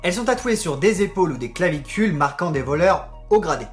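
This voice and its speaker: A man's voice: on the high side, lively intonation, fast talker, faint music behind. A man hosting a tattoo vlog, explaining in a chatty, joking way and talking straight to his viewers. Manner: chatty, addresses viewers directly, joking asides. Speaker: tattoo YouTuber.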